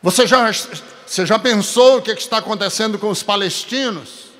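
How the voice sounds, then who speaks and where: Brazilian male preacher, high-pitched, slow deliberate sermon delivery, emphatic, long hall reverb. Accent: Brazilian Portuguese. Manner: emphatic, building to forceful peaks, with chatty asides to the congregation.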